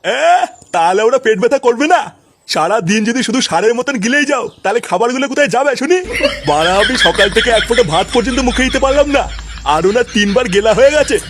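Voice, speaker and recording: A grumpy old cartoon grandpa acted by a man with a strikingly high voice. He rattles off sarcastic, foul-mouthed complaints over clear background noise. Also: expressive, fast, a bit bright.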